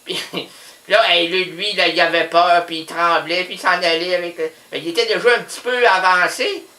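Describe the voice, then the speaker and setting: Radio comedy: man doing a scatterbrained Quebec housewife, high and bright, roomy studio. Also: fairly even intonation, moderate pace. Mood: rambling. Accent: Quebec French. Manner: rambling, scatterbrained, prone to sudden shouts. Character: rambling older Quebec housewife, cat lover. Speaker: comic character caller. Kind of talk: improvised radio comedy sketch.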